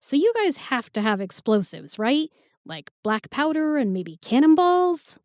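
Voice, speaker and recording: Woman acting a lively, flippant young heroine. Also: high voice, unhurried, no room sound, studio quality. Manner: casual, flippant, excitable. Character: irreverent, plucky modern young woman in fantasy world. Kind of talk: fantasy audio drama acting.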